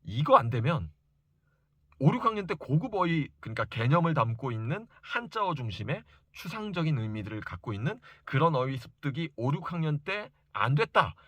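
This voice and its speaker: A man's voice: fairly high pitch, big pitch swings, moderate pace, a bit bright, slightly rough, dry recording, lo-fi sound. A man giving an informal educational talk to parents as a study coach, speaking emphatically and insistently and repeating key points for stress. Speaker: private reading and study coach advising parents.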